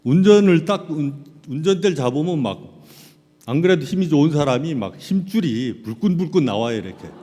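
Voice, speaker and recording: A middle-aged male pastor preaching a sermon, telling personal stories in an animated way and acting out scenes. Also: fairly high pitch, brisk. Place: large hall at a church camp. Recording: long reverb of a large hall.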